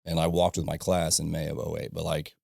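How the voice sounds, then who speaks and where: A man in his thirties from southern Illinois, a guest on a podcast, chatting in a relaxed way with frequent laughs and "you know what I mean". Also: extremely low pitch, a little fast, gravelly, husky, no echo, clean studio sound. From southern Illinois, USA. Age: 30s. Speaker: podcast guest, ironworker and business owner. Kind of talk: casual conversation. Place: podcast studio.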